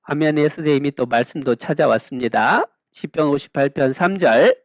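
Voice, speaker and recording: A man's voice: on the high side, lively intonation, normal speed, dry recording. A man teaching a Bible lesson to young children, asking them questions and answering with a repeated refrain. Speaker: Sunday school teacher. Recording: dull lo-fi sound.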